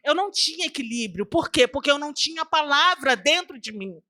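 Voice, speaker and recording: High, bright-voiced woman preacher. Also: expressive, brisk. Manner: emotional storytelling that acts out the dialogue; preachy asides to the audience. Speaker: preacher giving her testimony. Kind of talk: testimonial sermon.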